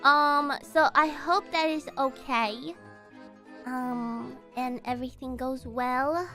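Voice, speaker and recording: Ask. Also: female voice, high voice, fairly even intonation, takes it slowly, pushed and bright, faint music behind. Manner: giggly, chatty, checks her audio settings aloud. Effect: heavily compressed mic with added reverb. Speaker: streamer. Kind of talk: casual live-stream chat.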